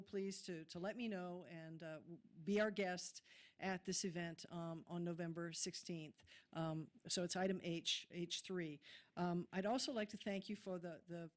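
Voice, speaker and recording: A woman chairing a senior advisory committee giving a friendly, slightly hesitant public comment to a city council. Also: on the low side.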